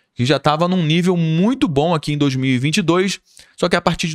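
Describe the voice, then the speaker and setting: The speaker is a man. He talks at a moderate pace. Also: quiet background. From Brazil. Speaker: economics commentator on video channel; economics commentator. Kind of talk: explanatory talk to camera with charts. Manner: casual conversational. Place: home room. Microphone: studio mic.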